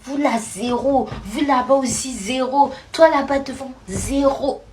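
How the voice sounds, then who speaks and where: Brief: strict female schoolteacher, scornful, drawn-out scolding, put on by a woman storyteller. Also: sits high, darkish tone, slight background noise, pitched above the performer's own voice.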